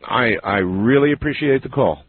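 A man hosting a late-night call-in radio show, speaking with a smooth radio host delivery. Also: mid-range voice, lively intonation, normal speed. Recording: phone-like lo-fi broadcast with faint hiss.

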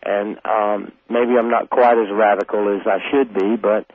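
A man in his forties from South Carolina, a radio guest talking in a calm, earnest, long-winded way. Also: lowish voice, normal speed, no echo. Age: 40s. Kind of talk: call-in radio conversation. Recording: tinny phone line.

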